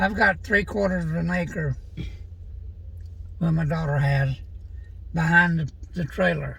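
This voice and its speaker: A man with a Southern Appalachian accent, fairly high pitched, bright and sharp in tone, with very wide pitch swings, a fairly slow pace, and long, frequent pauses. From US South, East Tennessee (Monroe County). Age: 80s+. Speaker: grandfather on eating channel. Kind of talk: casual chat. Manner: halting.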